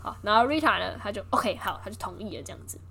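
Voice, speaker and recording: A woman's voice: medium pitch, fast, vocal fry, slightly rough. A young woman hosting a casual chat, retelling a film scene by scene and acting out the characters' lines. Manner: lively, acts out quotes with voice shifts and laughs.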